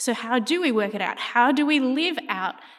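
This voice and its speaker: With an Australian accent, a woman speaks at a high pitch with ordinary pitch variation, captured in a very clean recording against a silent background. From Australia, childhood partly in California. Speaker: assistant pastor. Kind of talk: sermon. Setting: church service. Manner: frequent fillers, uh and um.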